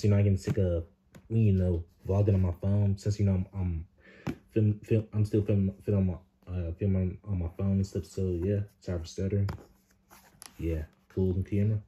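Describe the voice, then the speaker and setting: A man hosting a casual unboxing vlog, talking haltingly with many repeated words and fillers. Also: deep voice, noisy background. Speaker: vlogger.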